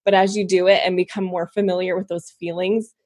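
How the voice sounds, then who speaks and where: A woman's voice: lowish voice, level tone, brisk, darkish tone. A woman hosting a podcast, talking reflectively with frequent fillers. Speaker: podcast host. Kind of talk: casual interview chat.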